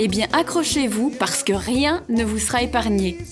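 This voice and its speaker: Music plays in the background as a woman speaks. Her intonation is lively and her pace is moderate. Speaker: talk show host. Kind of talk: voice-over narration.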